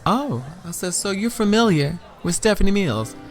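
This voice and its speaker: A man voicing a flirty, excited trans woman on a date, with a coy, sassy lilt, in an audio story. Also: sits high, moderate pace, faint music behind, voice pushed up. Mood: coy, warm.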